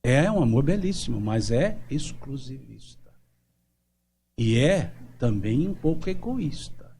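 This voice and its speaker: A man giving a seminar talk at a spiritist center, animated, acting out little everyday dialogues. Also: mid-range voice, measured pace, creaky, slight background noise. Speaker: spiritist lecturer. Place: lecture hall at a spiritist center.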